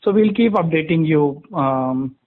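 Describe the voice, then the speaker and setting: A man with an Indian accent answers analysts as a company executive. His voice is notably high, his delivery formal and careful with many pauses. The sound is narrow, as over a telephone. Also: lively intonation. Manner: measured, hesitant, formal. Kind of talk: conference call answer. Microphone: phone line. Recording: thin phone conference line.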